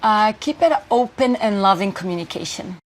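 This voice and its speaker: A woman's voice: mid-range voice, animated, moderate pace. A woman model with English as a second language, answering interview questions thoughtfully and with some hesitation. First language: not English.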